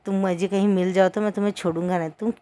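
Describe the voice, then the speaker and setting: A woman's voice: medium pitch, fairly even intonation, very fast, dark tone, natural voice. A woman doing an arrogant young boss. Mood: threatening. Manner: rude, threatening retorts. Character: arrogant young male boss, rude then smitten.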